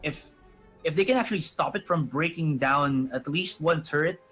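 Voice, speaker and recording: A man doing excitable play-by-play commentary on an esports match. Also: fairly high pitch, moderate pace, soft background music. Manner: excitable, rising to shouts at big plays. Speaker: esports caster.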